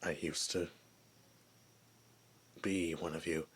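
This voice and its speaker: A gentle, wistful male werewolf, played by a man for an ASMR roleplay, speaks in a very low register. His delivery is slow and barely rises or falls, with hesitant pauses, as if confiding in a lone listener. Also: level tone, husky, full character voice. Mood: reflective, warning. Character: gentle, lonely male werewolf, former human, wistful outcast.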